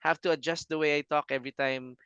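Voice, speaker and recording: A man's voice: a little high, fairly even intonation, fast talker, a bit bright, clear, resonant tone, dry recording, lo-fi sound. A man, a banking guest earnestly explaining sales in a casual interview.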